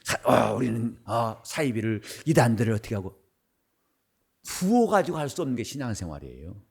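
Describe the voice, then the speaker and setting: A middle-aged man preaching a sermon as pastor, his voice husky and worn, switching between loud bursts and quiet asides. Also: medium pitch, very animated, normal speed. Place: church sanctuary.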